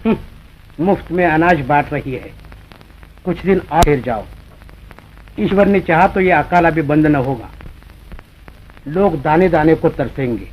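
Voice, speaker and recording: An actor playing a smug, scheming village moneylender in a 1940s film. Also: male voice, on the high side, expressive, a little slow, long pauses. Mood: gloating. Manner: smug, gloating, mocking laughs. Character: greedy scheming village moneylender, middle-aged man. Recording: dull old film soundtrack with hiss.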